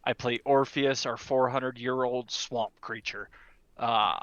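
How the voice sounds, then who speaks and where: Bright-voiced playful man on a podcast. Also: mid-range voice, fairly even intonation, unhurried, dry recording, dull audio. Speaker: tabletop podcast player. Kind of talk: casual joking chat.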